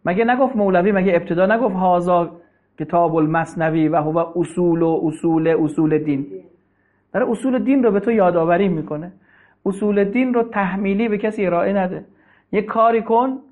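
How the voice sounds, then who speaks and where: High-voiced man preaching over tinny audio. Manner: animated storyteller, recites verses slowly and measuredly. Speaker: preacher teaching Rumi's Masnavi. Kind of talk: sermon with poetry recitation. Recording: tinny phone-like sound.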